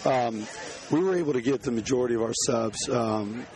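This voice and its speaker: Hoarse builder with a crowd behind. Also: male voice, medium pitch, a little mellow, poor audio. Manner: halting, many restarts and fillers. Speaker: home builder guest. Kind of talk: on-site radio interview.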